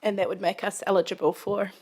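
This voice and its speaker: A woman's voice: mid-range voice, little pitch movement, quick pace, a little mellow. A woman with a New Zealand accent, a city councillor, asking questions at a meeting in a polite, formal way.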